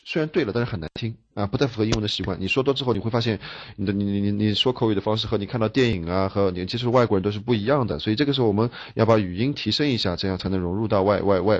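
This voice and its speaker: A man's voice: on the low side, dull audio. A man teaching interpreting, explaining step by step, asking rhetorical questions and stumbling over repeated words. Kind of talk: classroom lecture.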